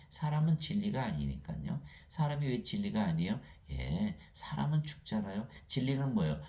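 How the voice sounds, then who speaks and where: A man preaching a sermon, asking and answering his own questions and acting out Bible figures in lively voices. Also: lowish voice. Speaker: pastor.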